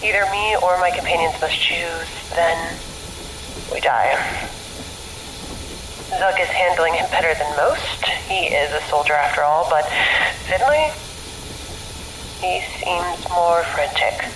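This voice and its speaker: A woman's voice: lowish voice, slow pace, long pauses. Weary trapped woman, echoey noisy recording. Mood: weary, uneasy. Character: weary, analytical woman trapped on an endless train. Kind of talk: audio drama acting, recorded journal monologue. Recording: noisy, echoey train car.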